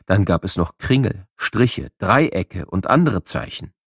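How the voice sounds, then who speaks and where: A man reading scripted educational narration for children, explaining things like a storyteller with clear enunciation. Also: low voice, expressive, slow, no echo, clean studio sound.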